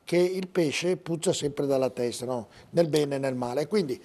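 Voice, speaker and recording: A man's voice: a little high, normal speed, dark tone. A man with a Veneto Italian accent hosting a TV studio interview, chatty, and cuts in politely with teasing remarks. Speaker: TV talk show host.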